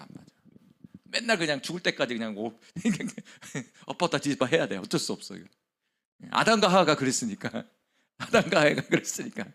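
Lively pastor with a gravelly voice. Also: male voice, fairly high pitch. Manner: lively and conversational, with laughs and quiet whispered asides. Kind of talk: sermon.

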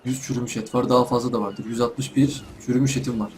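A man's voice: mid-range voice, steady tone, quick pace, slight background noise. Chatty young man doing game commentary. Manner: chatty, talks to himself and the animals. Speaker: gaming YouTuber. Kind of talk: casual let's play commentary.

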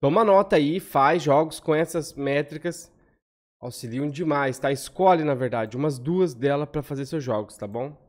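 A man in his thirties with a Brazilian accent, walking through lottery statistics on a spreadsheet in a casual, quick style and often ending phrases with a questioning "tá?". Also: fairly high pitch. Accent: Brazilian Portuguese. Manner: quick, conversational, frequent "tá?" tag questions. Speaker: lottery analysis host. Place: home room, on webcam over screen share.

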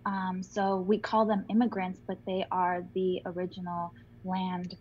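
Woman, thirties, scholar, flat intonation, measured explaining, dull lo-fi call audio. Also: lowish voice, a little hiss or hum. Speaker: guest scholar. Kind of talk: academic panel answer. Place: home living room, indoors. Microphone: video call with earbuds.

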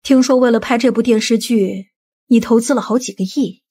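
A woman playing a stern, authoritative aunt in an audiobook, speaking in a firm, measured, commanding manner. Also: a little high, mellow, slightly rough. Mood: cool, reserved. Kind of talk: audiobook character acting.

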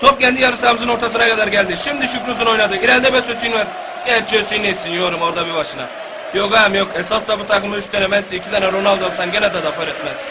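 A man's voice: high-pitched, fast, lightly acted. A man playing an exasperated, foul-mouthed local football commentator in a comic parody, with a Gaziantep Turkish accent, mixing formal match calls with folksy grumbling. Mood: grumbling, wry. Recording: clear background noise and ambience.

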